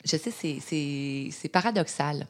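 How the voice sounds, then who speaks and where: A woman from Quebec with a Québécois accent, a guest telling her experiences in a conversational interview, animated and quoting others as she goes. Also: low-pitched, unhurried. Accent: Québécois French. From Quebec, Canada. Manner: animated storytelling with imitated quotes.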